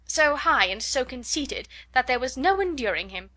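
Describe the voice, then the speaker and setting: A woman reading aloud and voicing an excitable middle-aged mother who gossips breathlessly and gushes about a ball. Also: a little high, normal speed. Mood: indignant.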